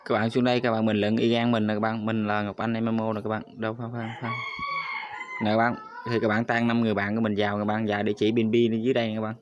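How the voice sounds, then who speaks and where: Guy doing a quick tutorial voiceover, keeps saying "you guys" to viewers, lowish voice, kinda monotone. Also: dull audio, noisy background. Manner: repetitive, addresses viewers constantly as "các bạn". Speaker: crypto tutorial host. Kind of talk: screen-recorded step-by-step tutorial.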